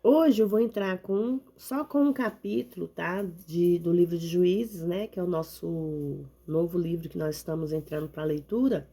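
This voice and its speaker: Hoarse woman preaching with a cold. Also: fairly low pitch, a little slow, few pauses, dark tone. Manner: earnest, repetitive exhortation with tag questions. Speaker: lay preacher. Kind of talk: informal devotional talk and Bible reading.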